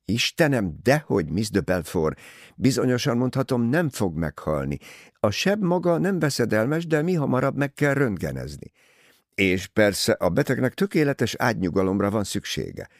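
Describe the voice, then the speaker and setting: A man voicing a brisk, worried middle-aged nurse who speaks in a clinical, matter-of-fact way. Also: mid-range voice, big pitch swings, dry recording, studio quality, pitched above the performer's own voice. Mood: concerned.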